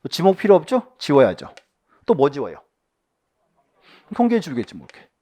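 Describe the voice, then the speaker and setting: A man teaching an exam-prep lecture, reading questions aloud and firing quick rhetorical questions at his listeners, with soft near-whispered asides. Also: a little high, huge pitch swings.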